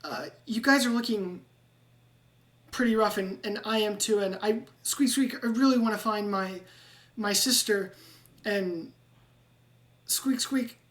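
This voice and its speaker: A game master voicing an anxious rat man who keeps squeaking between his words, in a tabletop game. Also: unhurried, long pauses, fairly bright tone, lightly acted. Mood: worried. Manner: peppers every phrase with squeaks.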